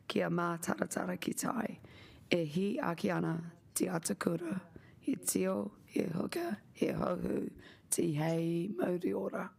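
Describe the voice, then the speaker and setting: Woman chair, low and gravelly, raspy from a sore throat, stop-start. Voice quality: raspy, slightly husky voice. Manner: hesitant, stop-start, with apologies and fillers. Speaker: committee chair. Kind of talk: chairing a council meeting.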